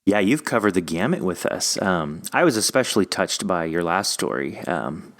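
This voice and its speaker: A man's voice: deep voice, very animated, moderate pace, fairly bright tone. A man hosting a casual interview, chatting and putting questions to a guest. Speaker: podcast host, interviewer.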